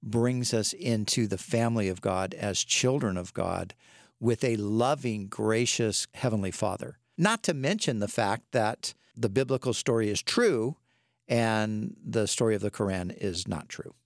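A man's voice: on the low side, a little slow, no echo, clean studio sound. A man speaking as a church guest, explaining earnestly.

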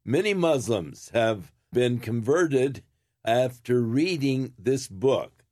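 A man from a church calmly recommending something. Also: medium pitch, slow pace, no room sound, clean studio sound.

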